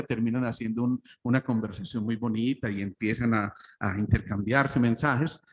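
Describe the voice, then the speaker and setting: A Colombian man with a Paisa accent, a doctor giving a spiritual lecture that moves into storytelling, often checking in with listeners by asking "¿cierto?". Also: mid-range voice. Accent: Paisa (Antioquian) Spanish. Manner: storytelling with frequent "¿cierto?" asides. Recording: long hall reverb, faint background noise.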